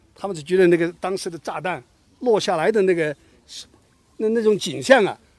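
Lively intonation marks this man's speech at a fairly quick pace. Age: old. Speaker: independent historian. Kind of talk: outdoor history lecture to students. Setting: outdoors at a battlefield site.

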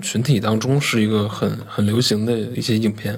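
The man talks at a moderate speed, and the room lends his voice a noticeable echo. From Dalian, northeast China. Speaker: film director. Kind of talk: casual chat.

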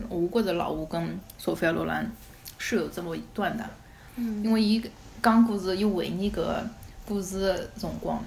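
The speaker has a Shanghainese accent and fairly even intonation. Noticeable background noise can be heard. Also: woman. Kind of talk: casual chat.

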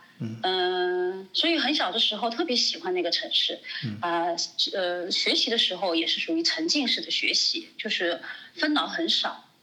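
At a moderate pace, a woman speaks at a medium pitch with very wide pitch swings, amid noticeable background noise and audible room echo. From Jiangxi, China (small city). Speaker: foreign trade businesswoman. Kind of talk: interview conversation.

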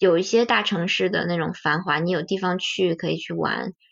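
A woman talks at a fairly low pitch with vocal fry. Her pitch varies in an ordinary way. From China. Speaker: social worker, podcast host. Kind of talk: casual chat.

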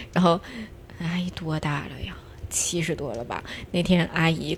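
Over noticeable background noise, a woman speaks at a moderate pace with fairly low pitch and ordinary pitch variation. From Northeast China, Harbin. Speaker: independent bookstore owner. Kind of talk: casual chat. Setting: in a bookstore.

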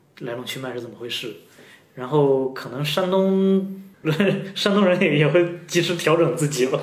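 A man's fairly high voice at a moderate pace, with ordinary pitch variation, big swings in loudness, long and frequent pauses, and audible room echo. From Liangshan, southwestern Shandong (China). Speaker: science fiction writer. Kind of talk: casual chat.

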